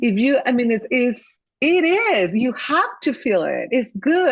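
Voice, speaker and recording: A woman is speaking. She has a Mexican accent. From Mexico (Monterrey). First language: Spanish. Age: 50s. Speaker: business owner and consultant. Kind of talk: panel interview. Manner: animated.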